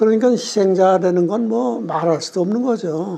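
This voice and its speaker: A man speaks at a high pitch with ordinary pitch variation. Noticeable background noise can be heard. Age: 80s+. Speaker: war veteran. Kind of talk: interview answer.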